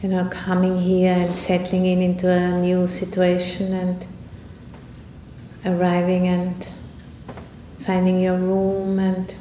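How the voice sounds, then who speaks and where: A woman giving a guided meditation talk as a meditation teacher, speaking in an unhurried, reflective way with long pauses. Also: completely flat delivery, mellow. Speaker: Buddhist nun and meditation teacher. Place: indoor room at a retreat center. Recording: roomy echo, faint rumbling background noise.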